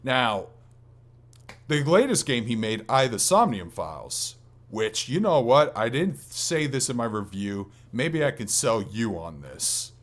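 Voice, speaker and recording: A man co-hosting a podcast, chatting casually about video games in a rambling, halting way that often restarts. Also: medium pitch, sing-song. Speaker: podcast co-host.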